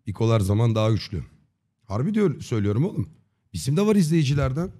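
A man in his thirties chatting casually on a livestream in a slangy, joking, deadpan way. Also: medium pitch, quick pace. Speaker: live streamer. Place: dim indoor streaming room. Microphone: close desk microphone with headset on.

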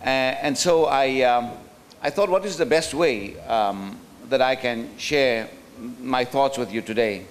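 A man's voice: mid-range voice, a little slow, slight background noise. A middle-aged man from South Africa giving a talk at a roundtable from a podium in a hotel function room, thoughtful and hesitant with many fillers and restarts. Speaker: speaker at a roundtable. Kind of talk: lecture with slides. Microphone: podium microphone.

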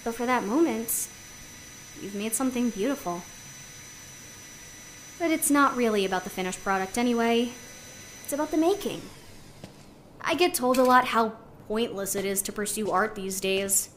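A woman's voice: a little high, lively intonation, normal speed, pauses often, a bit bright, slight background noise, poor audio. A woman playing a spirited, idealistic young artist musing conversationally into a recorder in an audio drama. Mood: wistful. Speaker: actor in a sci-fi audio drama. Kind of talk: audio drama monologue, naturalistic.

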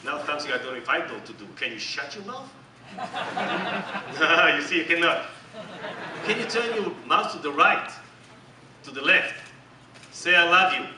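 A middle-aged man with an Israeli accent giving an animated, joking keynote presentation on stage. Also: a little high, unhurried, long pauses, far from the mic, background noise. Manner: animated, joking, emphatic and repetitive. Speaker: company executive presenting on stage. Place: large dark conference hall with audience. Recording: echoey hall recorded from the audience.

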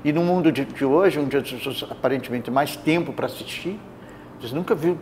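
A man's voice: fairly high pitch, brisk, darkish tone, slight background noise. An older man, an actor, talking as a guest in a TV studio interview, rambling and restarting his sentences as he thinks, on a lapel mic. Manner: rambling, restarts mid-thought. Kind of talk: casual studio interview chat. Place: bright indoor TV studio, seated.

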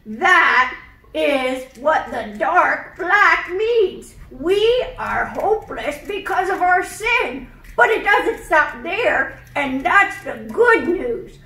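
Kindly old grandpa puppet, super high voice, talks real slow, echoey room. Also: female voice, very animated, pushed and bright, exaggerated voice. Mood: patient, earnest. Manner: slow, deliberate, teacherly. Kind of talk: children's puppet show.

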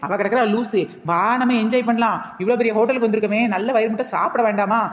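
A woman's voice: a little high, quick pace, long reverb tail. A woman with a Kanyakumari Tamil accent, mocking and sassy in a comic family skit.

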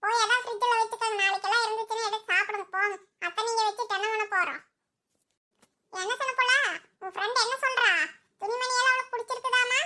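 A woman voices a caring, scolding village aunt in a cartoon, in a very high, bright and piercing voice. She fusses over everyone in a homely, chiding way. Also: steady tone, quick pace. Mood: weary chatting. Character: older village women of a big family, caring and scolding. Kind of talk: cartoon voice acting.

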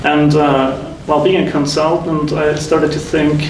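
A man in his thirties from Switzerland, a faculty guest recounting his career path in a measured, reflective way. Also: a little high, level tone. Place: lecture room with whiteboards. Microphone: room mic from a distance. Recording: echoey room, distant mic, noisy.

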